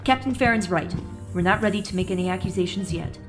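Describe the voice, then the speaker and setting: A woman's voice: medium pitch, fast talker, over music, lightly acted. A woman playing a sardonic, exasperated director in command of a space platform, in a science fiction audio drama. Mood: firm, authoritative. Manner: dry, authoritative, sardonic.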